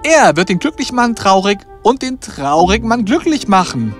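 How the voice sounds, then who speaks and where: Loyal royal companion voiced by an actor, earnest and emphatic, animated fairy tale, widely varied pitch. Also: moderate pace, soft background music, natural voice. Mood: earnest, assured. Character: loyal, earnest bearded man, a king's devoted friend.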